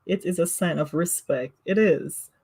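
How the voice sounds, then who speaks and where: A woman's voice: on the low side, darkish tone, breathy edge. Giggly Jamaican woman livestreaming. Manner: giggly, laughs often, self-teasing. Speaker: livestream host. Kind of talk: casual livestream chat reading comments.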